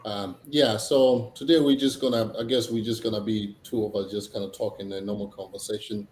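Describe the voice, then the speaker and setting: A man from Tanzania, a comedian chatting casually as a guest, halting, with many fillers and restarts. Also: on the low side, fairly even intonation, a little mellow. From Tanzania, East Africa. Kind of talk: casual interview chat. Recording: echoey room, faint noise.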